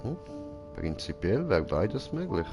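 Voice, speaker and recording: A man's voice: lowish voice, big pitch swings, unhurried, over music. A man with a Swiss German accent giving casual, joking gameplay commentary and talking back at the game character. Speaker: let's play host.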